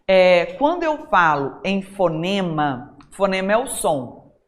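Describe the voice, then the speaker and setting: A woman's voice: on the low side, very animated, slow pace. Chatty Brazilian woman teaching a lesson. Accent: Brazilian Portuguese. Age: middle-aged. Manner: chatty, addresses students directly with frequent tag questions. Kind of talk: recorded exam-prep lesson.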